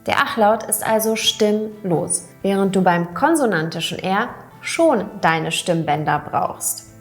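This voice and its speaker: Slow, careful woman language teacher. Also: mid-range voice, lively intonation, faint music behind. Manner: slow, clearly articulated, demonstrates sounds and example words. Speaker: German pronunciation teacher. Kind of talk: scripted teaching narration.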